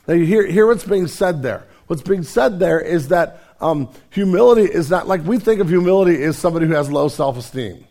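A male pastor preaching a sermon, hoarse and raspy from a cold, earnest and self-deprecating in a conversational way. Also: a little high, animated, brisk, few pauses, dark tone.

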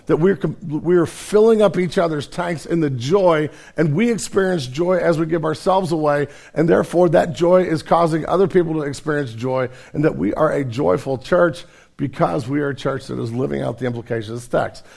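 A male pastor preaching a sermon, hoarse and raspy from a cold, earnest and self-deprecating in a conversational way. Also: a little high, a little mellow.

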